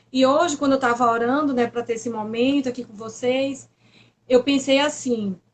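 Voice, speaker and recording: A woman speaks at a moderate pace in a high pitch, her intonation fairly even while her loudness swings widely. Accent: Pernambuco. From Pernambuco, Brazil. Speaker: speaker at a couples' ministry talk. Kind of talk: testimony. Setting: livestream.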